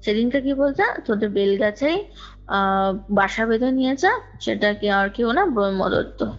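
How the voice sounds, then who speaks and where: Over music on a dull, lo-fi call recording, a female guest chats about a ghost encounter she had, talking a lot, repeating phrases to stress them and slipping in English words. She speaks at a medium pitch and a moderate pace.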